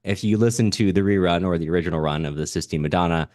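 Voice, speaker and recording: A man hosting a podcast, reading listener comments aloud and reflecting on them in a measured, bookish way. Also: low-pitched, a little mellow, no echo, clean studio sound. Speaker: podcast host.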